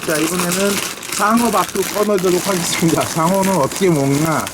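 A man with a fairly high voice hosts a casual, unscripted food review. He thinks aloud with drawn-out hesitations, as in an informal chat. There is faint noise behind him. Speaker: host of a snack review video.

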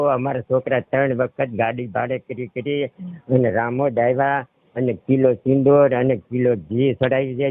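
A man's voice: medium pitch, dry recording. Gujarati man on a tinny phone line. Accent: Saurashtra Gujarati. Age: middle-aged. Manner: repeatedly checks the listener understands. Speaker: caller. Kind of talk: rambling personal account on a phone call. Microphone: telephone. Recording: tinny narrowband phone call recording.

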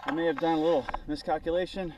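A man in his forties speaks in a fairly high voice while running along roadside paths. He chats to the camera in a casual, motivational way, exerted by the effort. The outdoor action-camera sound is a little distant, with faint wind noise. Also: steady tone, fast talker, dark tone, highs cut off. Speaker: running vlogger. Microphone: action camera held at arm's length.

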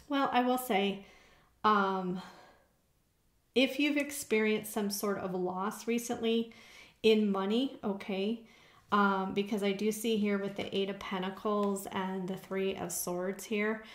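A woman's voice: medium pitch, unhurried. Woman, tarot reader, casual check-ins, roomy echo. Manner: conversational, frequent "okay?" check-ins. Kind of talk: tarot reading to camera. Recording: echoey room.

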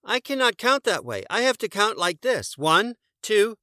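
Simple earnest storybook moose, way high voice, bright and innocent. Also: male voice, sing-song, moderate pace, dry recording, clean studio sound, full character voice. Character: naive, cheerful, literal-minded cartoon moose.

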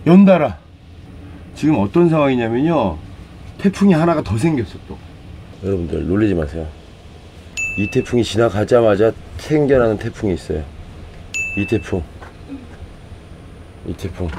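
A man's voice: fairly low pitch, big pitch swings, normal speed, long pauses, noisy background. A man narrating a casual vlog to his viewers, talking in a colloquial, blunt, slangy way. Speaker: vlog host.

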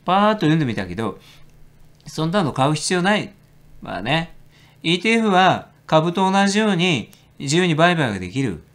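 A man's voice: a little high, sing-song, a little fast, a bit bright. A middle-aged man hosting a stock trading show, chatting casually, reading a listener's letter aloud, laughing often and stopping to look things up. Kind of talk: casual solo talk answering a listener letter.

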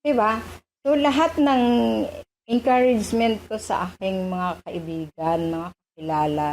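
A woman's voice: medium pitch, fairly even intonation, measured pace, a little mellow, a little hiss or hum, low-quality recording. A woman doctor recounting her recovery from cancer in an interview, hesitating often with fillers and slipping into English phrases. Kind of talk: personal testimony in an interview.

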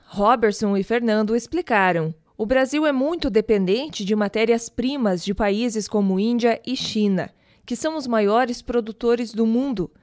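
A woman TV reporter reading scripted news narration in an even, measured delivery. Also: a little high, no room sound, clean studio sound.

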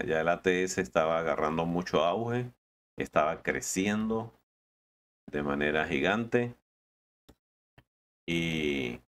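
A man's voice: rumbling low, fairly bright tone. A man, chatting casually while playing a truck game, often stumbling and repeating words. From Colombia. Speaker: gaming video host.

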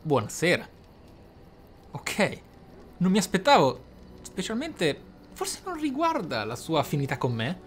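A man's voice: fairly high pitch, wildly swooping pitch, measured pace, pauses often, slight background noise. A man hosting a role-playing let's play, musing aloud with theatrical interjections. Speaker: gamer, let's play host. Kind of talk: role-playing game commentary. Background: game music.

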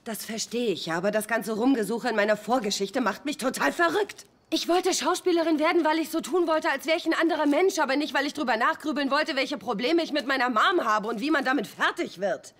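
High-voiced, defiant young woman. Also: brisk, hardly any pauses, a bit bright. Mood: frustrated. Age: 20s. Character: frustrated, defiant 25-year-old aspiring actress. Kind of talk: German-dubbed sitcom acting.

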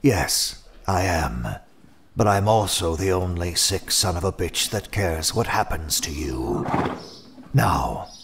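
A cold, calculating schemer from a horror audio drama. His voice is low and his delivery is slow and menacing. He sounds smugly self-serving, every phrase deliberate. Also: lively intonation, fairly bright tone, a little hiss or hum, heavily acted.

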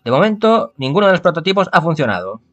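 A man's voice: a little high, very animated, fast, a bit bright. A man voicing a matter-of-fact, dismissive scientist in a visual novel reading. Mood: explaining.

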